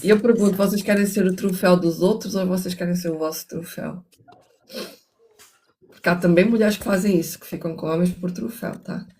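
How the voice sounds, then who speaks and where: A woman's voice: lowish voice, fairly even intonation, fairly quick, mellow. An older woman, hosting a reflective book discussion, musing and moralizing as she goes. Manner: musing, restarts often, moralizing asides. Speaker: host reading and analyzing a book.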